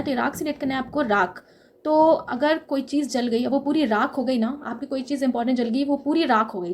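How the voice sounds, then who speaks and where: A young woman teaching an exam-prep lesson. She walks through memory tricks step by step, often checks in with "okay", and slows down on key words to stress them. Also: high-pitched.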